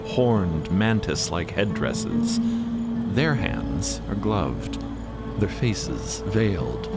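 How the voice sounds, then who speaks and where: Man, deep voice, unhurried, dramatic wry audio drama narration, loud music.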